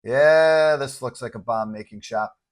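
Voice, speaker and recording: An earnest, breezy male superhero, voiced by a narrator with a casual way of talking. His medium-pitched voice lifts a little in this comic-book audio story. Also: measured pace, close to an everyday voice. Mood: breezy, surprised.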